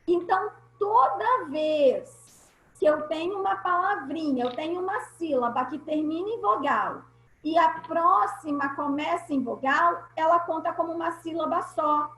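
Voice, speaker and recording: A woman's voice: high-pitched, a bit bright. A woman teacher with a Brazilian Portuguese accent, giving an online class over a video call, patient and explaining step by step with repeated key points. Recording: echoey room.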